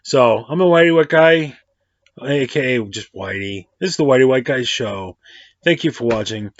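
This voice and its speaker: A man's voice: mid-range voice, lively intonation, moderate pace, dry recording. Rambling, slangy man reviewing a movie. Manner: rambling, slangy, self-correcting. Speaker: host of a movie review channel. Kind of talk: casual movie review vlog. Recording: dry, slightly dull lo-fi audio.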